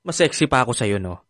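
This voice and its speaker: A man's voice: medium pitch, pushed and bright, no echo, studio quality. An actor with a Filipino accent playing an exasperated, sassy gay man in an audio romantic comedy.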